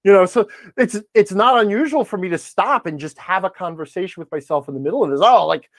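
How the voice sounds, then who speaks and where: A man with a slightly high voice speaks in a casual, conversational way, as a guest being interviewed. He rambles, acts out his own remarks and jokes at his own expense. The sound is dry, with hardly any room in it. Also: quick pace, dry recording. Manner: rambling, animated self-quoting, self-deprecating joking. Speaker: podcast guest, game advice blogger.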